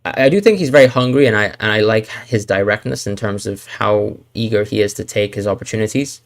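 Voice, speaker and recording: Man, from Hong Kong, slightly low pitch, live stream host, hedging, thinks aloud. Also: brisk. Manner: thinks aloud, hedging with frequent fillers and restarts. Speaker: fantasy football streamer. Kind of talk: live Q&A stream answering chat.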